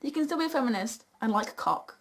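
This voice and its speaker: A woman's voice: high-pitched, animated, quick pace. A young woman chatting casually and candidly as co-host of a Q and A vlog. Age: young adult.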